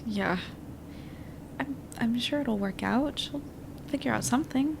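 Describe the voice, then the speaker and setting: A woman's voice: a little high, a little slow, gravelly, noisy background. A woman playing a thoughtful, easygoing young woman in a naturalistic audio drama, speaking in a reflective way. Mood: reassuring.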